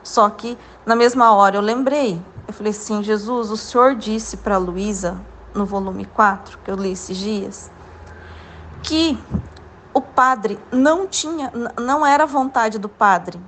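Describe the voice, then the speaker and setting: A woman's voice: mid-range voice, a little slow, fairly bright tone, slight background noise, low-quality recording. A Brazilian woman hosting a Catholic channel, giving a casual spiritual testimony in an earnest, repetitive way, often checking whether listeners follow.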